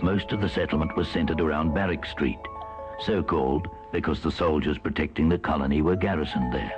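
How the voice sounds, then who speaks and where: A man reading scripted history as a radio announcer, in a measured storytelling manner, on a 1970s aircheck. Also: extremely low pitch, highs cut off. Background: mallet music.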